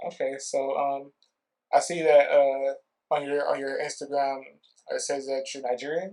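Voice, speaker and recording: A man speaks at a moderate pace in a dark, mellow tone with fairly high pitch. His intonation is monotone and flat, broken by long, frequent pauses. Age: 30s. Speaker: podcast host. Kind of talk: casual interview. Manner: halting, many fillers.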